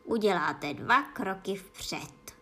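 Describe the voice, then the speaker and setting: A woman doing a loud, boisterous griffin. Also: medium pitch, expressive. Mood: matter-of-fact. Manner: shouting, eager.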